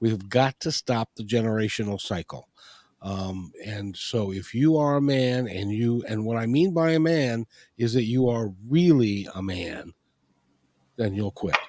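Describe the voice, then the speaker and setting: With an American accent, a man speaks at a fairly slow pace in an unremarkable speaking voice, his medium pitch carried by lively intonation, on a very clean recording with a silent background and a dry, close sound with no echo. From US Pacific Northwest, Seattle. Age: 60s. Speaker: radio talk show host. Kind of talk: radio interview. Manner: earnest.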